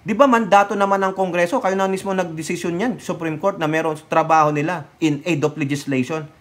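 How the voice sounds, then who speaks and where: A man's voice: a little high, steady tone, brisk. A man from the Philippines giving heated, sarcastic political commentary, scolding his subject directly and talking to his viewers.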